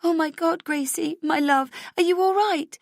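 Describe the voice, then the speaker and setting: A woman's voice: extremely high pitch, moderate pace, gravelly, no echo, clean studio sound, pitched above the performer's own voice. A woman playing a desperate, urgent mother in an audiobook, speaking in an insistent, demanding way. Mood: relieved, tender. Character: desperate, urgent mother hunting for her kidnapped daughter.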